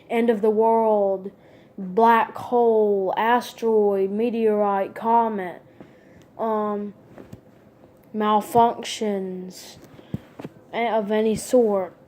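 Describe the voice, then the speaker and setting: A woman talking casually to viewers as a video creator, in a halting way, listing things one by one. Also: mid-range voice, mellow. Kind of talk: casual unscripted vlog talk.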